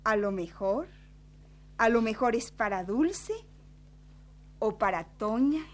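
A woman's voice: on the high side, lively intonation, takes it slowly. Nosy teasing young woman played by an actress. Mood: playful. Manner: playful, mocking, teasing.

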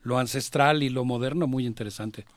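A man co-hosting a radio program, explaining world affairs in a measured way with frequent filler sounds. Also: medium pitch, dry recording. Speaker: radio co-host and commentator.

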